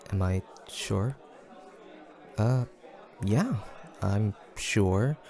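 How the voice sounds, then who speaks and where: A man performs a young male friend in a casual audio roleplay, full of affectionate teasing. His voice sits a little low with a gravelly creak. The delivery is animated and playful, sliding up and down as he banters with the listener. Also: heavily acted. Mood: sheepish, apologetic.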